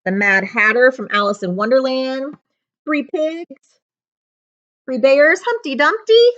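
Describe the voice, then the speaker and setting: A middle-aged woman reading a children's picture book aloud with expressive, dramatic storytelling and chatty asides. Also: high voice, slow pace, dull audio. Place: living room couch, indoors.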